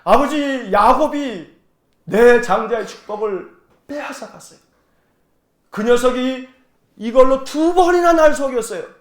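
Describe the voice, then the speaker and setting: A man's voice: extremely high pitch, unhurried, pauses often, roomy sound, voice pushed up. A man voicing a wronged grown son who pleads tearfully with his father. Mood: pleading. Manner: pleading, plaintive.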